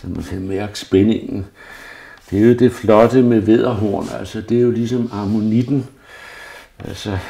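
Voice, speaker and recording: Artist, male, low gravelly voice, rambles and mutters to himself while drawing. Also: warm tone. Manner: rambling, self-murmuring, often drops to a near mutter. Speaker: artist demonstrating pastel drawing. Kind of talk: thinking aloud while drawing.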